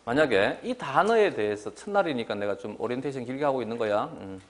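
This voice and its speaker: A middle-aged man giving a biology lecture to students. He scolds them, keeps asking if they understand, and sometimes mimics them in a higher voice. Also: fast talker. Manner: lively and scolding, often asks "알겠지?". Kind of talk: classroom lecture.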